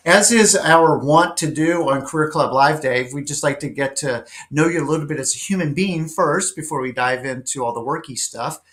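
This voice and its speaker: A man's voice: mid-range voice, fairly bright tone. Eager, affirming male interview host. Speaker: talk show host. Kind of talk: interview, opening with a read introduction.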